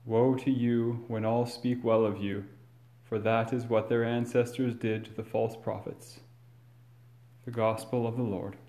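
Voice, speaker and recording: A man serving as priest, reading the Gospel and then preaching a homily in a measured, earnest way, with some fillers and restarts, recorded in a large church with cathedral echo. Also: mid-range voice, level tone, mellow.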